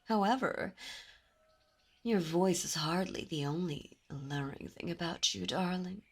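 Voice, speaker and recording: A woman voicing a dominant, possessive demon princess in an ASMR roleplay, speaking in a silky, commanding way with soft whispers. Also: fairly low pitch, unhurried, breathy edge. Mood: seductive. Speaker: voice actor. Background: birdsong and ambient sound effects.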